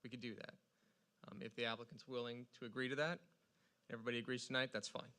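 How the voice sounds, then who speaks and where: Male attorney, bright forceful edge, rapid even delivery, advising a meeting. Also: mid-range voice. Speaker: city attorney.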